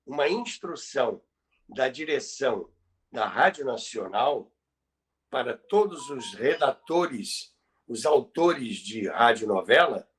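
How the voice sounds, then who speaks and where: A man with a Brazilian accent telling radio history in conversation, emphatic and repeating phrases for effect. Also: medium pitch. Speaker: guest recounting radio history. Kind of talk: conversational storytelling.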